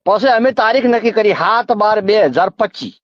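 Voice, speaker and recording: A community organiser with a rural North Gujarati accent explains and recounts things insistently on a phone call. His voice is high and animated at normal speed, and the telephone recording is dry and muffled.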